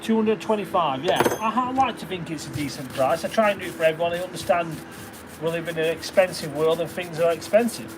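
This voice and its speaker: This Derbyshire-accented man talks quickly in a slightly high voice while livestreaming his stone carving from the workshop. He keeps things casual, reading out viewers' names and thanking them, and the recording is rough.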